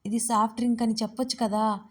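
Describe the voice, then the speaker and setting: A woman's voice: fairly high pitch, flat delivery, quick pace, darkish tone, natural voice. A woman narrator voicing a touchy, easily annoyed young wife in an audio story. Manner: indignant.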